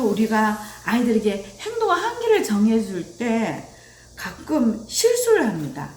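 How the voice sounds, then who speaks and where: A woman giving a lecture on parenting, speaking animatedly and acting out bits of dialogue. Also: on the high side. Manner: animated, acts out quoted dialogue. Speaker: parenting educator. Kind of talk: lecture on child rearing. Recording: roomy echo.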